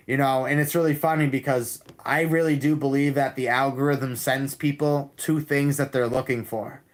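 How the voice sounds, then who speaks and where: Male tarot streamer, calm and level delivery, repeats lines, restarts often. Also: medium pitch. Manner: calm, repetitive, with many restarts. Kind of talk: live-stream tarot reading and chat.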